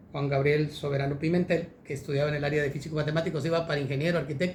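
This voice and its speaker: A man speaks in a fairly high, somewhat breathy voice. Room echo is audible. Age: 60s. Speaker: teacher and foundation founder. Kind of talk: interview. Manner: hesitant, many fillers.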